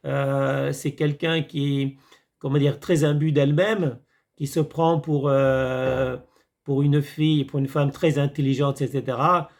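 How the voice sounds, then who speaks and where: A man's voice: mid-range voice, level tone, a little slow, creaky, a little mellow. A man talking casually to his viewers in a rambling monologue, hesitating often and calling them his friends. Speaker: video commentator. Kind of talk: casual monologue reviewing a series.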